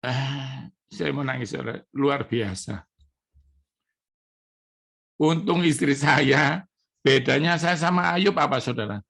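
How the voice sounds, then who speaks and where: Gravelly-voiced pastor giving an emotional testimony. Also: male voice, mid-range voice, slow pace, long pauses, fairly bright tone. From Indonesia. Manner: emotional, addresses congregation as brothers and sisters. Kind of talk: sermon testimony.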